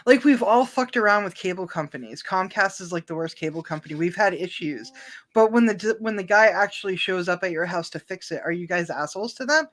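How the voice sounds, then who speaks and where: A woman with a bright, forceful voice at a middling pitch, chatting casually and bluntly with some swearing thrown in. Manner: informal, sweary. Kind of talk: opinionated casual chat.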